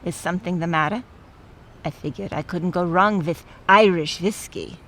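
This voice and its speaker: A woman's voice: fairly low pitch, normal speed, fairly bright tone, a little hiss or hum. An actress playing an earnest, apologetic Jewish woman at a wake in a radio play, hesitant and easily exasperated. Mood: flustered, apologetic.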